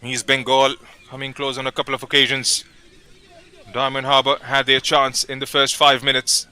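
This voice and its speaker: A man giving live play-by-play football commentary, calling names and passes in steady, measured phrases. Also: medium pitch, clean tone. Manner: steady, measured calls with brief pauses between names.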